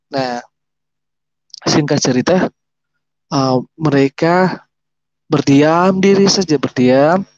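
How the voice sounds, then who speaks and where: A man's voice: on the high side, slow, long pauses, darkish tone, no echo. A man in his thirties with a Makassar Indonesian accent, telling his personal testimony in a rambling way, with restarts and fillers. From South Sulawesi, Indonesia. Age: 30s. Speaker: guest sharing a testimony. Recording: dull lo-fi sound.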